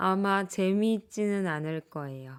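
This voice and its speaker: A woman speaks with a calm tone at a fairly low pitch. The recording is very clean, with a silent background. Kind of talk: casual talk to camera introducing the topic. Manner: soft-spoken, calm.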